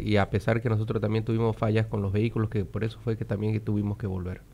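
A man's fairly low voice, dark and mellow in tone, with monotone, flat intonation. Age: 40s. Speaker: volunteer firefighter leader. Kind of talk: radio interview. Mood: earnest, serious. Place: studio. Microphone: studio mic.

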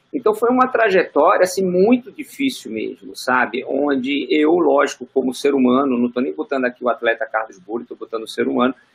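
A fairly quick man with hardly any pauses. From Recife, Pernambuco, Brazil. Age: 40s. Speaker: professional big-wave surfer. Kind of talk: casual interview. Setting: video call.

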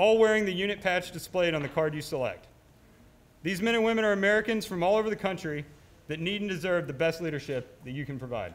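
Pitched high for a man, his voice moves at a fairly quick pace with lively intonation. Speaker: military branch representative. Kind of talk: formal ceremony welcome and emcee announcements. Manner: formal, enthusiastic, measured. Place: hall.

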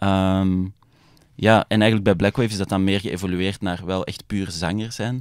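A man speaks at a moderate pace in a normal speaking voice. His pitch is fairly low, his intonation fairly even, and the sound is dry with no echo. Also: quiet background. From Belgium, Antwerp; Belgium. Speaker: rapper and singer; guest. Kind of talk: casual interview chat. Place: studio. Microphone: studio mic.

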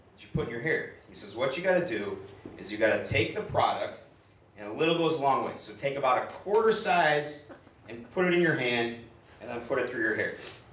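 Amid audible room echo and light background noise, a man's voice shows big swings in loudness. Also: fairly quick pace. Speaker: stand-up comedian. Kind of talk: stand-up comedy routine. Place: stage.

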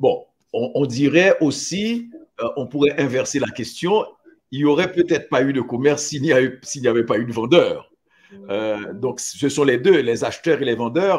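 Speaking at a fairly slow pace, a man uses an ordinary speaking voice with fairly high pitch and lively intonation. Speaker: panel moderator. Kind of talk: panel discussion. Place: home room. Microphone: video call.

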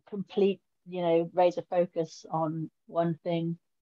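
Against a quiet background, a woman with a fairly low pitch speaks at a very slow pace. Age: 40s. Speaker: artist and personality-typing enthusiast. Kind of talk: casual conversational interview. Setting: video call. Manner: hesitant, many fillers and repetitions. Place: home room.

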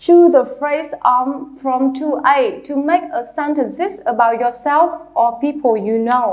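Against a quiet background, a woman speaks at a high pitch with ordinary pitch variation. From Vietnam. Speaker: English teacher. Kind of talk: lecture. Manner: formal. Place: studio. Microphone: lapel.

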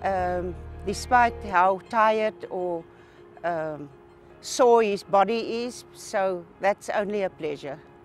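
A woman at a very slow pace, dry sound with no echo, faint music in the background. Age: 70s. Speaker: athletics coach. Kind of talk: interview answer. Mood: warm, proud. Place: stadium.

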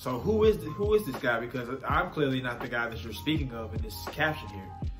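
Over clear background music, a man talks at a fairly quick pace with big swings in loudness. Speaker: dating advice vlogger. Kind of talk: casual vlog chat. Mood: storytelling, rueful. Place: home room.

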